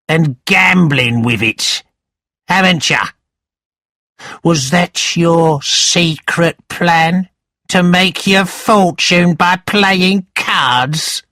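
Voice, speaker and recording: A man reading a story aloud and voicing a scheming, cold-hearted moneylender who taunts in a calm, cutting way. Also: a little high, no room sound, clean studio sound, pitched above the performer's own voice, exaggerated voice.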